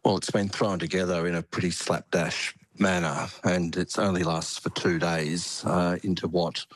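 An executive speaks in a news clip, hesitant and restarting. His voice is low and flat. The sound is dry. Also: normal speed, dry recording. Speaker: industry group chief executive.

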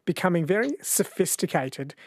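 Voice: medium pitch, lively intonation, normal speed, dry recording. A radio host with a mid-range voice, asking friendly and playful questions. The studio sound is dry and close. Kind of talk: radio interview.

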